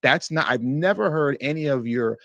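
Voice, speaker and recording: A man with a gravelly, middle-pitched voice delivers opinionated commentary in a scornful, emphatic way. He reads out quotes and then tears into them. The sound is dry and close to the mic, with no room around it. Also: expressive, moderate pace, no room sound, dull audio. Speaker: political commentary show host.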